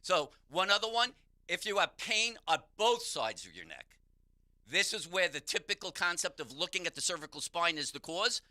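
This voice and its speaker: In a radio studio, a pain therapist on a call-in show explains how the body works in an instructive way. His high voice is very animated and sharp in tone, at normal speed.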